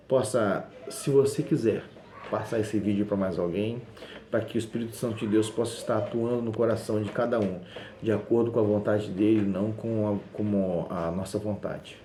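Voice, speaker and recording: A man's voice: lowish voice, steady tone, moderate pace, warm tone. Male preacher, insistent sermon delivery, roomy echoey recording with faint hiss. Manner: emphatic, insistent preaching with repeated phrases. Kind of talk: sermon video. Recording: roomy echo, faint background noise.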